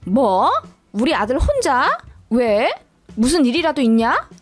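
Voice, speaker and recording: A woman voicing an indignant, sharp-tongued older mother-in-law who scolds with incredulous questions, in a storytelling radio drama. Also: high-pitched, sing-song, slow, dry recording, soft background music, full character voice.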